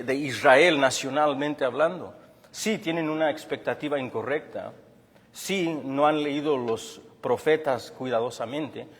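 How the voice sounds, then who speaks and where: A man's voice: on the high side, big-room sound. A man from Chicago preaching a sermon, explaining earnestly and often restarting his phrases. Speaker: pastor.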